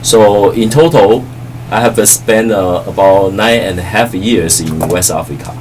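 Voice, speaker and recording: A middle-aged man from Taiwan, an ambassador, answering interview questions politely and haltingly with many fillers. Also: fairly low pitch, darkish tone, distant mic, faint music behind, poor audio.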